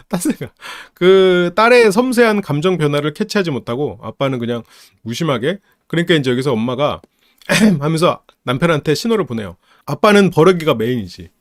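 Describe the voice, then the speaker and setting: A man hosting a psychology channel, casually analyzing a film, lively and laughing often as he acts out characters' lines. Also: fairly high pitch, a little fast, dry recording, clean studio sound.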